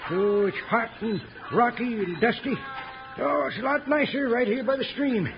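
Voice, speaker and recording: An actor playing an easygoing, folksy old prospector in a radio western. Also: male voice, extremely high pitch, moderate pace, noisy background. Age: older. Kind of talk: 1950s radio western acting. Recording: dull old radio recording.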